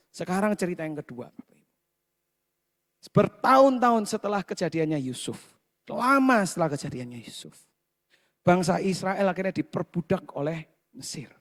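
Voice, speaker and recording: A man's voice: high voice, in a large hall. A man preaching a sermon, telling the story with questions to the congregation and acting out the grumbling crowds. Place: church hall.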